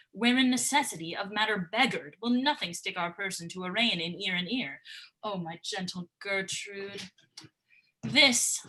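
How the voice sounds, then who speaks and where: A woman's voice: on the high side, sharp tone, slight background noise, low-quality recording. A woman playing an anxious, grieving Danish king, declaiming verse in an amateur Shakespeare reading over livestream. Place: remote livestream from separate location.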